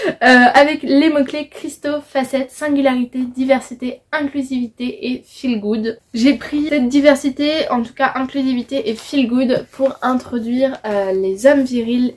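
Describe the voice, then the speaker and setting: A woman's voice: fairly high pitch, darkish tone. A young woman from France chatting casually about her reading list as a book vlogger, with many hesitations and restarts. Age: young adult. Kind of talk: casual book haul chat.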